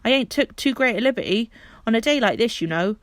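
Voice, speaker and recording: A woman reads a kindly railway porter bubbling over with joy, speaking in plain homely dialect. He sits high and loud in the voice. The sound is dry and close. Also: fast talker, no room sound, natural voice. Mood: excited warmth. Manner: excited, homely, ungrammatical dialect. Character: kindly working-class railway porter, man.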